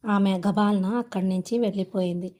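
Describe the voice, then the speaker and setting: A woman narrating a novel aloud in a steady, even storytelling manner. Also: medium pitch, brisk. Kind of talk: audiobook novel reading.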